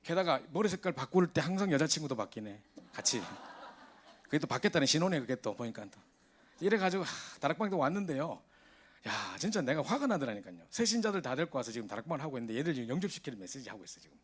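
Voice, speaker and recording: A man preaching a sermon to a youth service, telling stories in an animated way. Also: a little high, quick pace. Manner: animated storytelling, voice rising in exasperation.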